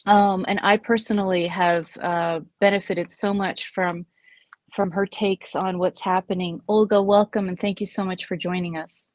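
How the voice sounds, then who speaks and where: A woman hosting an interview podcast over a video call, speaking in a measured way with frequent pauses and fillers. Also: mid-range voice, little pitch movement, no room sound. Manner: measured, hesitant with many fillers. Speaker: podcast host.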